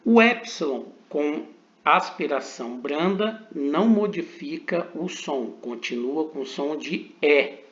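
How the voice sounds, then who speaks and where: A man gives a recorded lesson at a very unhurried pace, his voice sitting a little higher than most men's. He sounds out each letter and vowel one by one with deliberate care. The recording is dull and lo-fi. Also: lively intonation. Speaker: teacher. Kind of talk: recorded lecture on slides.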